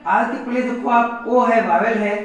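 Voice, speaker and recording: A man teaching an English lesson, spelling words letter by letter and often clearing his throat. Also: very high voice, fairly even intonation, moderate pace, heavy reverb, recorded from a distance, low-quality recording. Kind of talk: classroom lesson.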